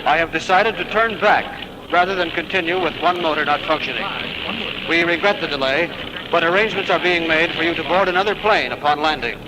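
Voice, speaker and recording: An actor playing a calm, official airline captain making a measured announcement in a 1950s radio drama. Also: male voice, a little high, natural voice. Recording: hiss of an old radio broadcast.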